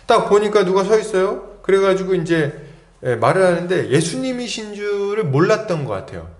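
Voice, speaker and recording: Animated male pastor in an echoey church. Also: high voice, normal speed. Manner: storytelling, acts out quoted lines with sudden loud cries. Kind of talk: sermon. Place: church sanctuary.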